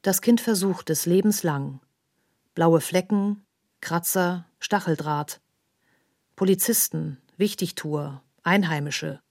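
An actress performing an outsider's literary radio monologue in short, incantatory, repeated phrases. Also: female voice, on the low side, takes it slowly, a little mellow, no room sound, studio quality. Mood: bitter, defiant.

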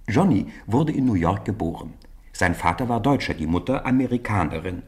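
A man narrating a German children's radio play as an expressive, deliberate storyteller. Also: fairly low pitch.

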